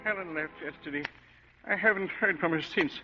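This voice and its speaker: An actor playing a worried, grave wealthy husband in a 1940s-style radio drama. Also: male voice, sits high, brisk, faint music behind, natural voice. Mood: anxious. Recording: dull lo-fi radio recording in reverberant room.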